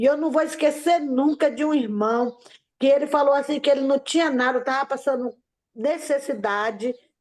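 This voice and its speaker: Her voice is high, and she is a woman. She talks fairly slowly. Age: 60s. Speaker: devotional group participant. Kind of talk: testimony.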